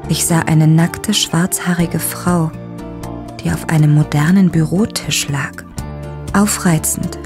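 Woman narrating as a shaken young woman. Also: on the low side. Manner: dramatic, breathy, dropping to whispers. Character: young woman recounting a shocking discovery. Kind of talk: first-person audio drama narration. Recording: narration over music. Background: music.

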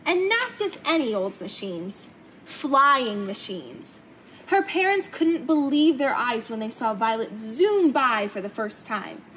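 A young woman reading a children's picture book aloud in an expressive storytelling way. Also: fairly high pitch, slow, a little hiss or hum, rough recording. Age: young adult. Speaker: storybook reader. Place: indoor hangar-like museum room, seated in open cockpit.

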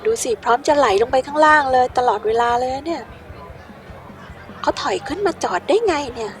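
Woman dubbing a curious, cheeky teenage rebel in a game, chatty and exclaiming, high voice. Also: brisk, soft background music, a faint crowd, lightly acted. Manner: lively exclaiming, casual slangy talk.

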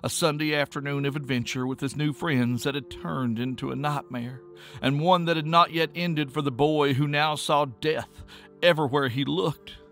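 A man narrating a scripted story in a measured, folksy way. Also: on the high side, steady tone, a bit bright, soft background music.

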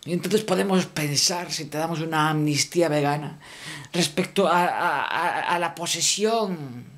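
A man's voice: a little high, a little slow, fairly bright tone. Rambling mock-earnest Spanish man. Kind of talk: satirical comic monologue.

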